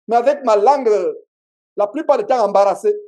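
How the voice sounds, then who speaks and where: At a church meeting, a pastor with a Cameroonian French accent preaches emphatically to the congregation, repeating his key phrases and using call-and-response. His very high voice has a dark tone, and he speaks briskly.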